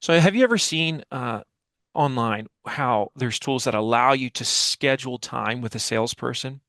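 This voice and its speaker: An American man speaks as an interview guest at a middle pitch. He explains with emphasis, repeating key phrases and posing questions to his listener. The headset sound is very dry. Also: normal speed, fairly bright tone, no echo. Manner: emphatic, rhetorical repetition and questions. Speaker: podcast guest, author and business speaker. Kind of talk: explanatory interview answer with storytelling. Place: small dim home office, video call. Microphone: headset microphone.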